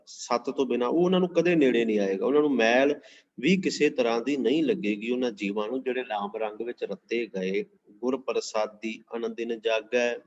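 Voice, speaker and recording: A man with a Punjabi accent teaching an online scripture class. He recites each verse slowly, then explains it line by line in plain conversational speech. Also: medium pitch. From Punjab, India. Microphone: computer mic during a screen-shared class. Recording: slightly dull lo-fi sound.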